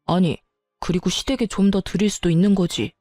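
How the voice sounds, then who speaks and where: A defensive young husband who argues back and dodges blame, voiced by a woman narrator. The tone is mellow and the sound is close and dry. Faint music plays underneath. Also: on the low side, fairly even intonation, a little fast, no room sound, natural voice. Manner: defensive, argumentative.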